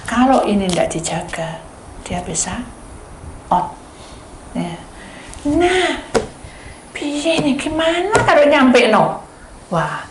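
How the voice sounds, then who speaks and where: A woman pastor telling a story in a conversational sermon, often turning to her listeners. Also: fairly low pitch. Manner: animated, conversational, addresses listeners as saudara. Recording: roomy echo with faint background noise.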